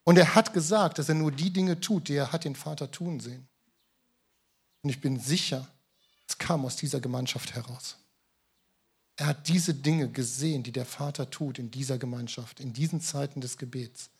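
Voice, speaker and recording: A man preaching a sermon, lively and shifting from loud emphasis to soft, quiet asides. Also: mid-range voice, moderate pace, breathy edge. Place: church in Hamm.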